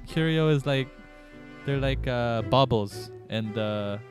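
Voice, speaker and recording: A man co-hosting a let's-play, giggly and excitable as he reacts. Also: mid-range voice, slow. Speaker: co-host. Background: game music.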